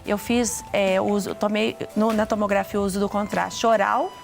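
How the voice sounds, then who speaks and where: A middle-aged woman from Brazil giving an earnest personal testimony, talking haltingly and restarting often. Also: mid-range voice, fairly even intonation, vocal fry, faint music behind.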